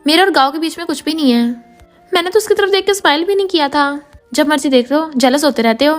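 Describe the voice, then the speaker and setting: A woman reading the lines of a young girlfriend who reassures and mildly scolds, in a quick, high voice. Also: faint music behind, close to an everyday voice. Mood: pleading.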